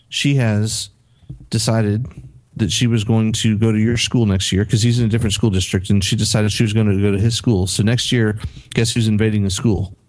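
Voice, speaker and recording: A man's voice: fairly low pitch, a little mellow. A middle-aged man on a podcast, casually telling a story with many restarts and acted-out quotes. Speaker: podcast co-host.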